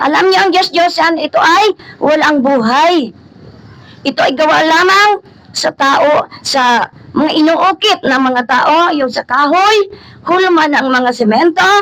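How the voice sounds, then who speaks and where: A woman speaks at an extremely high pitch with lively intonation. Her pace is fairly slow. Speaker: street evangelist. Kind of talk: street preaching. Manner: hesitant with fillers.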